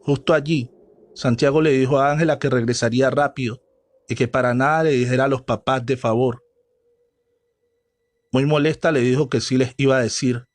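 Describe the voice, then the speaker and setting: A man's voice: medium pitch, normal speed, long pauses, no echo. Male storyteller narrating horror tales. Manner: dramatic, steady storytelling.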